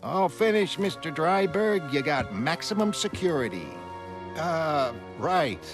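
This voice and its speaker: A man's voice: on the high side, very animated, unhurried, voice pushed up. A man voicing a cynical police detective who talks in a dry, streetwise way, over music. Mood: needling. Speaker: motion comic voice actor. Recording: music underneath.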